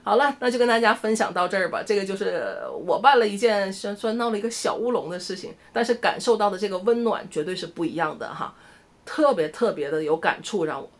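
A woman's voice: medium pitch, fast. A middle-aged woman from Shenyang with a Northeastern Mandarin accent, chatting animatedly to camera and telling a story. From Shenyang, northeast China. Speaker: vlogger. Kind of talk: casual chat to camera.

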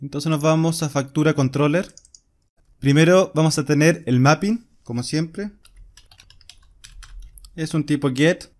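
Here a male programming instructor explains a coding screencast one step at a time while typing, his slightly high, somewhat mellow voice moving at a measured pace with long pauses. The background carries keys clicking and typing.

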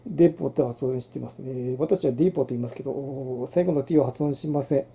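Low, dark-voiced woman rambling through a lesson. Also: vocal fry. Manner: rambling, halting, many restarts and fillers. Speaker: channel host. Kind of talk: casual handwriting lesson.

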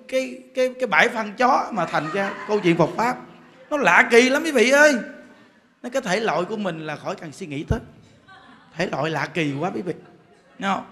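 Southern Vietnamese monk, high voice, joking sermon, chatty repeats, faint hiss behind. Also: male voice, a bit bright. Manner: joking, chatty, repeats words while building a point. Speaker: Buddhist monk. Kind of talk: humorous storytelling sermon.

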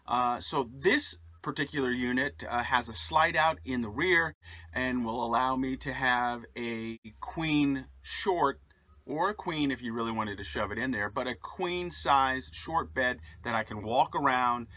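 A man's voice: medium pitch, unhurried, dry recording. A man in his forties talking casually to the camera inside a parked motorhome, with lots of "uh" fillers, recorded on a close camera mic. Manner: relaxed, many "uh" fillers, upbeat sign-off. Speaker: vlogger. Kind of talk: casual vlog talk to camera. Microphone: camera mic at close range.

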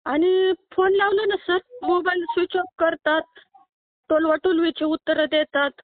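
A woman's voice: very high voice, fairly even intonation, a little slow, no room sound. A woman from Maharashtra calling over the phone to ask for help, pleading and upset, often ending her points with a questioning tag. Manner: pleading, tearful, keeps adding questioning tags. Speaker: caller asking for help. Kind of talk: phone call complaint. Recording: tinny dry phone line.

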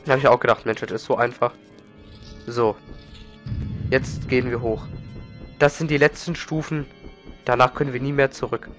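A man's voice: medium pitch, steady tone, moderate pace, long pauses, a bit bright. A man with a slight head cold giving casual, rambling video game commentary as a let's play host. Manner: informal, rambling, repeats words. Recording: game music behind. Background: video game music.

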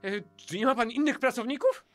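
An actor plays a self-important gentleman customer in a children's radio play. He speaks in an affected, fussy way, with clear piano music behind him. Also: mid-range voice, brisk, close to an everyday voice. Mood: whiny, indignant.

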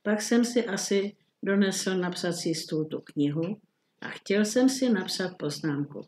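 A woman's voice: mid-range voice, animated, darkish tone, roomy sound, a little hiss or hum, lightly acted. A woman reading as a bewildered minister. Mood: puzzled. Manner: muttering, bewildered. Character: flustered middle-aged male government minister.

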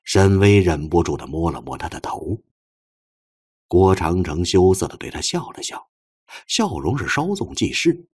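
A man narrating a novel as an audiobook, in an expressive scripted storytelling style. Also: sits low, normal speed, breathy edge.

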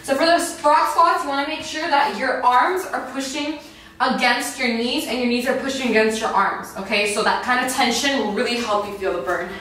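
A woman's voice: sits high, normal speed, fairly bright tone. A young woman giving casual, informal workout instructions, explaining each exercise. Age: young adult. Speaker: fitness instructor. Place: bare white indoor room. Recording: echoey room, distant mic, faint noise.

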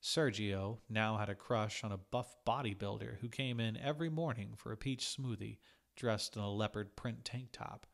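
Low-pitched man reading a story aloud. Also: normal speed, vocal fry. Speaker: audiobook reader. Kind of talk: scripted short story narration.

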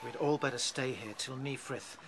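A man's voice: medium pitch, moderate pace, fairly bright tone, lightly acted. A man acting in a radio play as a level-headed, commanding rabbit leader. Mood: calm, decisive. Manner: decisive, commanding. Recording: radio play with clear background noise.

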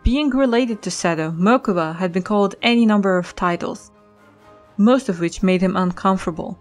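A woman's voice: mid-range voice, moderate pace. A woman reading scripted story narration as the narrator of an audio drama. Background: music.

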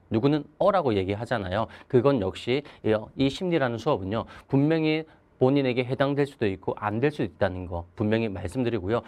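An earnest man in his thirties gives a motivational talk to students, speaking with emphasis. His voice sits at an ordinary middle pitch. He moves about at a chalkboard as he talks, and a lapel mic picks him up cleanly in a studio. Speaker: mind coach teacher.

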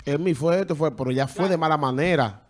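A man co-hosting a talk show, exclaiming and talking over others in excited casual chat. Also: on the high side, a little fast.

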